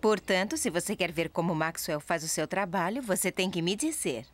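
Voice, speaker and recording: A woman with a Brazilian accent playing a gentle, patient grown woman explaining things to a child in a cartoon dub. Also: on the low side, lively intonation, normal speed, close to an everyday voice. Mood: kind, patient. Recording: music behind the voice.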